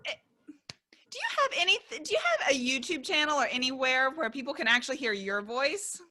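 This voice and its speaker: High-voiced woman host, bright and excited, casual chat. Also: fairly quick. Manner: enthusiastic, exclaiming. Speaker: podcast host.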